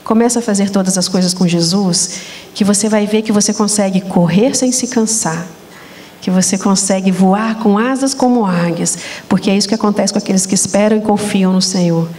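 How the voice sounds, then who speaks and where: A young Brazilian woman hosting a Christian women's talk show on a church stage, telling lively stories and speaking straight to the audience. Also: medium pitch, brisk. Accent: Brazilian Portuguese. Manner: animated storytelling, addresses audience as "gente".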